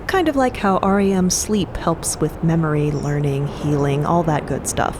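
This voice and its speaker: A woman narrating a scripted story in a conversational way, with clear ambient noise behind her. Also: deep voice, moderate pace.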